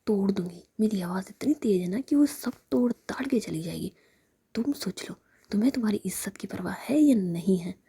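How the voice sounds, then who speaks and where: A sharp-tongued young woman employee, angry and quick to threaten, as a woman whispers her lines. She speaks in a husky, dark, gravelly whisper in whispered role-play. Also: medium pitch, expressive. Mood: accusing. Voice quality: breathy whisper.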